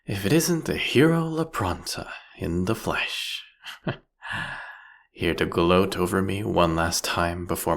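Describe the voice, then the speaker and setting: A man playing a captured vampire king in an audio roleplay, sardonic and silkily menacing, with a husky, gravelly voice and theatrical, taunting phrasing. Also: deep voice, a bit bright, exaggerated voice. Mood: mocking, bitter. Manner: theatrical, mocking, drawn-out, teasing phrasing. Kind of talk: scripted audio roleplay monologue addressed to the listener.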